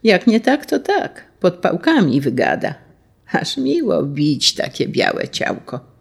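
Jeering, cruel interrogators in a read-aloud story , voiced by a woman. They taunt with a raised, gravelly voice. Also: fairly low pitch, huge pitch swings, slow pace, voice pushed up, exaggerated voice. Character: mocking male interrogating judges.

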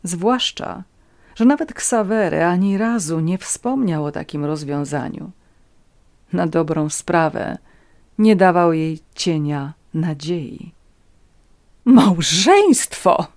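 A woman reading a novel aloud in a measured, even storytelling manner. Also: low-pitched. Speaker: audiobook narrator. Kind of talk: scripted narration of a novel.

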